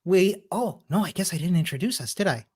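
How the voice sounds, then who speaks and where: A man from Chile co-hosting a casual coding lesson, with warm, encouraging remarks and quick affirmations. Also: sits high, lively intonation, breathy edge. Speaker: bootcamp co-host.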